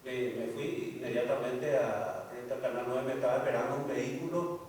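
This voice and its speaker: An older man with a Paraguayan Spanish accent, giving formal courtroom testimony in a measured way, often restarting his phrases. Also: mid-range voice, a little mellow, slight background noise. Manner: measured, recounting events with frequent restarts. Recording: echoey hall, distant mic, faint ambience.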